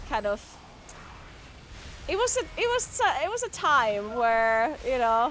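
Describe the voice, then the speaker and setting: A woman with a German accent speaks in an animated tone at a fairly high pitch. Her pitch varies in an ordinary way. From Germany. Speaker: streamer and esports caster. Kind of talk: casual livestream chat. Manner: animated, halting with fillers.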